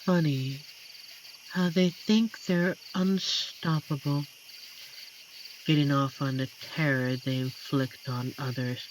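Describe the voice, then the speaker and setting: Woman playing a low-voiced, slow-talking amiable werewolf. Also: steady tone, slight background noise, low-quality recording. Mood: darkly amused, menacing. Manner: unhurried, teasing, chatty with dramatic pauses. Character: amiable, playful female werewolf guardian of a forest. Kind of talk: scripted audio roleplay addressed to the listener.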